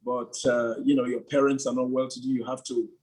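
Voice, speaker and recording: A man's voice: medium pitch, little pitch movement, a little fast, darkish tone. A middle-aged man, a church leader, telling his story with enthusiasm, sprinkling in "you know" and frequent laughs. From Nigeria. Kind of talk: animated interview answers.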